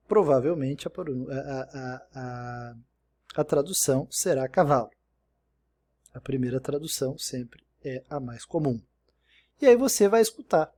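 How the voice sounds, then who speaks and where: A man teaches English in a patient, explanatory way and often checks in with the listener. His voice sits a little high but has a dark, mellow tone. It sounds like a recorded screen-share lesson.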